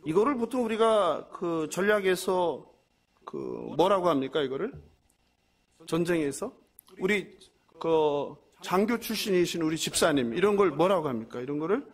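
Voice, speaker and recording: High-voiced pastor preaching. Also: male voice, animated, moderate pace. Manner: asks the congregation questions and answers them himself; acts out the enemies' mocking voices. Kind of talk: sermon.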